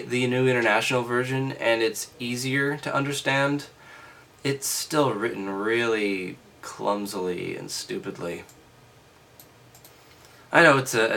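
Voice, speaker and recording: A man with a halting, freshly woken delivery, reading aloud casually and breaking off for wry, skeptical commentary. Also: medium pitch, sharp tone. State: just woke up.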